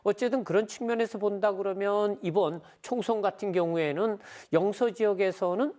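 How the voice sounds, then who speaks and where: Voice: medium pitch, moderate pace, a little mellow. A professor analysing election trends on a TV panel, explaining steadily and closing points with hedged conclusions.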